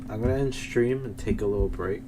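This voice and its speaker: A man's voice: lowish voice, fairly quick, loud music behind the voice, low-quality recording. A man chatting casually as he streams a game, rambling and often repeating himself. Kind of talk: casual livestream chat.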